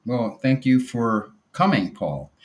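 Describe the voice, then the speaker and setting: A man hosting an interview podcast, introducing his guest in a measured, formal way. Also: mid-range voice, very animated. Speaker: podcast host.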